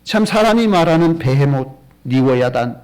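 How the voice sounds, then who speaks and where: A man's voice: medium pitch, lively intonation, moderate pace, a little mellow, clean tone. A man preaching a sermon as a pastor in a church, earnest and full of rhetorical questions.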